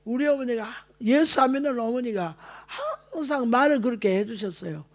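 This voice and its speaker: A woman's voice: a little high, big pitch swings, normal speed. Earnest Korean woman evangelist preaching. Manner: earnest, exhorting, acts out quoted family talk. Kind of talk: sermon.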